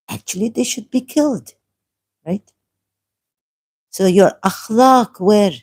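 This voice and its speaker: A woman reads scripture aloud in a slow, unhurried way and comments on it as she goes. Her voice is mellow and soft-edged. She muses, breaks off mid-phrase and puts pointed questions to her listeners. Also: mid-range voice. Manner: argumentative, asks the listener questions. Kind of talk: solo video commentary reading scripture aloud.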